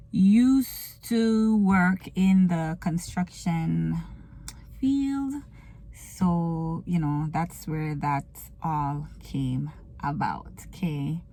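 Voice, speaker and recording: A woman's voice: medium pitch, a little hiss or hum. A woman from Kingston with a Jamaican accent, chatting casually to her viewers from inside her car, laughing often and slipping into patois. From Jamaica, raised in Kingston. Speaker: vlogger and small business owner. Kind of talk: casual get-to-know-me chat.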